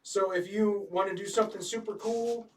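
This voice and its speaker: Higher-voiced man running the game. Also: fairly even intonation, normal speed. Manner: explains rules, dry teasing. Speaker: game master. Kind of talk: running a tabletop game at a table. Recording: distant mic, faint background noise.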